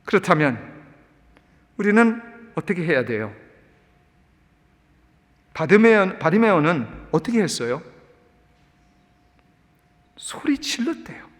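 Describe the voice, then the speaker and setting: A male pastor preaching a sermon in an animated way, dropping English words into his talk. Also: fairly high pitch, unhurried, pauses often, big-room sound. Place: church sanctuary.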